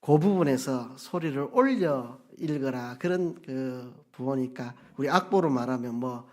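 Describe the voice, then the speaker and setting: A man's voice: medium pitch, measured pace. A man preaching as pastor, reading scripture lines aloud and repeating them with shifting emphasis. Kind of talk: sermon.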